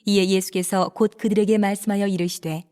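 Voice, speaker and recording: A woman narrating scripture in a steady, formal reading style. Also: mid-range voice, fairly quick.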